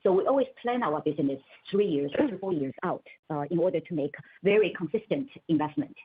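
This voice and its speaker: Low-voiced woman on a muffled phone line. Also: lively intonation, brisk, husky. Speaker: company executive. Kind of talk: earnings call answer to analysts. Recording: muffled narrow telephone conference line.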